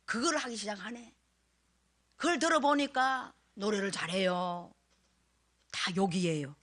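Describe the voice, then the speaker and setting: A middle-aged woman preaching a sermon in a church, telling a personal story with strong emotion, dropping to a hush and rising to loud pleading. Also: mid-range voice, unhurried. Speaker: guest preacher. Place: church sanctuary. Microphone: handheld microphone.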